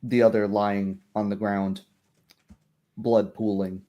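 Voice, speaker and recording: Mellow, low-voiced man narrating. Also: little pitch movement, dull audio. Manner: measured, descriptive storytelling. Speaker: game master. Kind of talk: narrating a tabletop roleplaying game.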